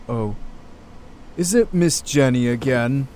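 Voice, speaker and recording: A man's voice: mid-range voice, expressive, slow pace, darkish tone. Man playing an earnest, overworked hospital doctor. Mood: resolute. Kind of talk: audio drama acting.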